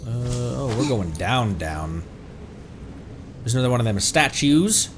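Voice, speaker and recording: A man's voice: medium pitch, animated, unhurried, noisy background. A man streaming a video game, commenting casually and reading in-game text aloud. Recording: music behind the voice. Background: video game music.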